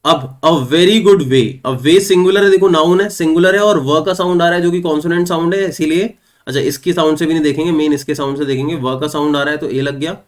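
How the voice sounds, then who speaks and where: A man's voice: on the high side, fairly even intonation. A young man giving an online exam-prep English lesson, explaining step by step and asking and answering his own questions. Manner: reads English example sentences slowly and clearly. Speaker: English teacher.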